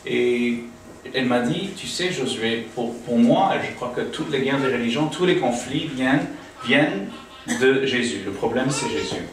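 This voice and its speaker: This American man has a medium-pitched, expressive voice and speaks at a measured pace during an informal talk to a small congregation. He hesitates often, with plenty of fillers and restarts. The living room home church is echoey, and his small PA is recorded by a distant camera with audible noise.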